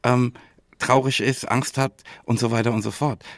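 A man with a German accent chatting casually as a podcast co-host, thinking aloud haltingly and often adding little tag questions. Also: mid-range voice, little pitch movement, dry recording, clean studio sound.

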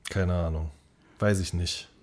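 A man's voice: low voice, fairly even intonation, measured pace, darkish tone. A man, probably in his thirties, explaining things as co-host of a casual podcast.

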